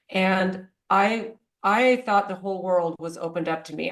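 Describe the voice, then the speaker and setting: A woman with a normal speaking voice talks at a fairly slow pace in a medium pitch with ordinary pitch variation. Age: 60s. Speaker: herbalist. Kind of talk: interview.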